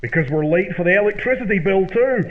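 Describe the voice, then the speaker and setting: A man's voice: high-pitched, expressive, quick pace, heavy background noise. A man acting as an eager, naive sidekick in an old-time radio comedy, with exaggerated gee-whiz delivery. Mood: anxious. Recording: dull lo-fi old-radio sound, music behind.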